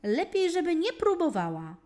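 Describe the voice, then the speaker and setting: Woman voicing Kaj, an impulsive high-voiced boy. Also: very animated, normal speed, mellow. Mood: defiant. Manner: exclaiming, emphatic.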